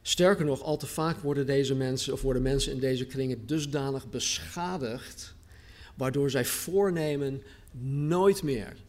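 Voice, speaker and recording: A man preaching a sermon, reading scripture aloud and then explaining it earnestly, repeating phrases and slowing down on key words. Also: mid-range voice.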